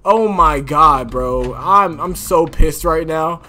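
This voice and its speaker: A young man doing profane, joking let's play commentary, loud and excitable. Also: fairly high pitch, slow pace. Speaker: gaming streamer.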